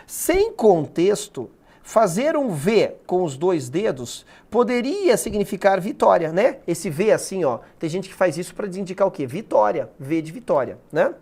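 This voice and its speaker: Lively Brazilian teacher man. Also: high voice, a little slow, slightly rough. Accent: Brazilian Portuguese. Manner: lively, colloquial, asks the listener rhetorical questions. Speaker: English teacher for exam prep. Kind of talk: video lesson.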